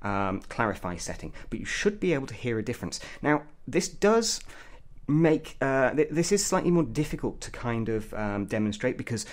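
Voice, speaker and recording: A man's voice: mid-range voice, very animated, normal speed. A man giving an opinionated gadget review as a tech reviewer, putting emphatic stress on key words.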